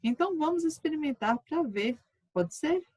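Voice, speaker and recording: A woman reading the lines of a calm elderly male therapist guiding a session, in an instructive tone. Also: sits high, normal speed, no room sound, voice pushed up.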